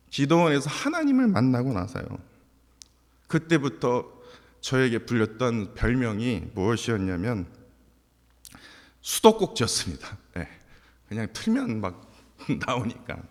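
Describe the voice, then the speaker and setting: Man, 40s, pastor, sermon, emotional, confessional, long reverb in a church hall. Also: medium pitch. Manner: emotional, confessional, addresses the congregation. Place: church sanctuary.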